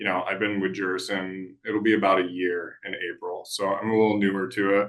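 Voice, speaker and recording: Here a man speaks in an American accent at a fairly low pitch. He goes at a fairly quick pace with monotone, flat intonation. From central New York, near Utica. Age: 30s. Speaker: assistant project manager in construction. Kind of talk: podcast interview.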